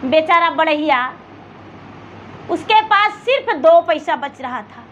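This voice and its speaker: A woman's voice: very high-pitched, lively intonation, takes it slowly. A woman with a Bihari accent narrating a devotional folk tale as a storyteller, addressing her listeners, on a dull home recording. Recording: dull home recording, faint background noise.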